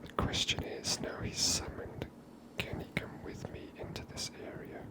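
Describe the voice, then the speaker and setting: A gaming ASMR host whispers throughout. The commentary is hushed and unhurried, thinking aloud step by step, spoken close to the microphone.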